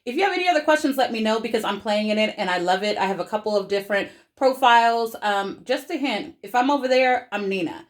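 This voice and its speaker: A woman's voice: on the high side, lively intonation, fast, few pauses. Playful, chatty woman vlogger. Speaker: social media creator giving a tutorial. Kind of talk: casual vlog tutorial.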